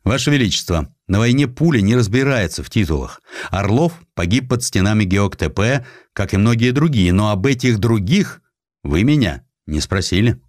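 A man's voice: on the low side, lively intonation, moderate pace, darkish tone, dry recording, clean studio sound, close to an everyday voice. A man voicing a proud, embittered army general in a historical audiobook, emphatic and declamatory. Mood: defiant. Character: defiant, embittered 19th-century Russian general, proud and brooding.

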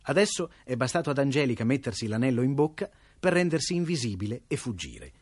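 A man narrating a classic tale for radio in a lively, wry storytelling manner. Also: medium pitch, quick pace, breathy edge, no room sound.

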